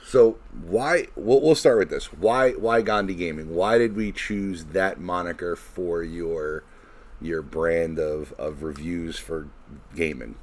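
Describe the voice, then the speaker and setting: A man hosting a podcast, chatting casually in a halting, informal way with some swearing. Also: low-pitched. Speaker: podcast host. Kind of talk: casual chat. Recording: noisy recording.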